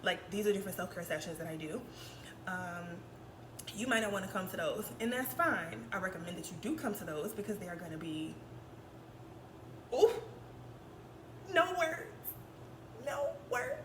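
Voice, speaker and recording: Amid noticeable background noise and audible room echo, a woman of medium pitch speaks with very wide pitch swings, big swings in loudness and long, frequent pauses. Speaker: self-care content creator. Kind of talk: casual vlog talk. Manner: fast; animated.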